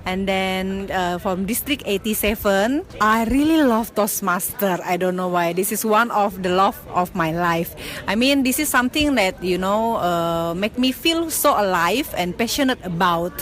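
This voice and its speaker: A woman from Indonesia, a convention attendee, speaking enthusiastically with some pauses and fillers. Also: medium pitch, animated, fairly bright tone. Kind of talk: interview answer.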